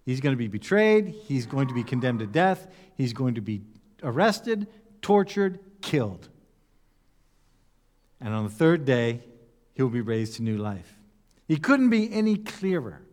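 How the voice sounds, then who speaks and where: A man's voice: medium pitch, big pitch swings, unhurried, long pauses, a little mellow, in a large hall. A man preaching a conversational sermon, putting rhetorical questions to his listeners. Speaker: pastor.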